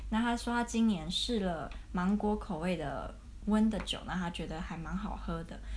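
A woman with a Chinese accent, at a moderate pace. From Taiwan. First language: Mandarin Chinese. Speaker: podcast co-host. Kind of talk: bilingual summary.

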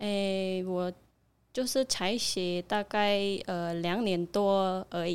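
A woman with a Cambodian accent, medium pitch and fairly even intonation, at a very slow pace, on a very clean recording with a silent background. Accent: Khmer-accented Mandarin. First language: Khmer (speaking Chinese). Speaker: immigrant guest. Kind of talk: casual chat. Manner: halting.

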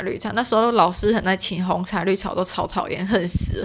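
Fairly even intonation and a fairly quick pace in a woman's voice of medium pitch. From Taiwan, Kaohsiung. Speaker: podcaster. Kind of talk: casual monologue. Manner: hesitant, many fillers.

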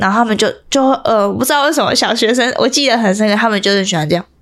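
Her pitch sits fairly high for a woman. She talks at a very fast pace. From southern Taiwan. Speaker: podcast guest. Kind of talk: casual chat.

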